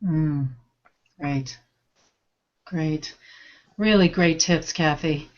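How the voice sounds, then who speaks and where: A woman's voice: low voice, extremely slow. A woman hosting a webinar conversation, giving brief affirming responses. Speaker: host, interviewer. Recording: dull lo-fi audio.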